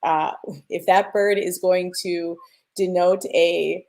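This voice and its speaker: A woman's voice: fairly low pitch, steady tone, takes it slowly, vocal fry, a little mellow. A woman giving an informal technical explanation as a sound designer, thinking aloud and checking in with the listener. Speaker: sound designer, panel speaker.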